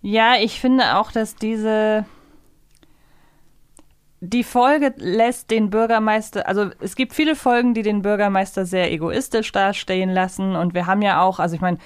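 A woman's voice: medium pitch, fairly even intonation, normal speed, clean tone, no room sound. A woman speaks as a podcast co-host, earnest and analytical but informal. She reworks her sentences mid-thought in a mid-range voice, captured close and dry. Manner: earnest, argues her point, self-correcting. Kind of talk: casual analytical review chat.

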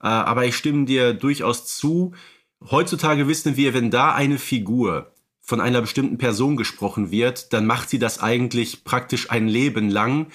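A man's voice: mid-range voice, normal speed, a bit bright. A man co-hosting a podcast, explaining at length in casual chat, with many fillers. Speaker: podcast co-host.

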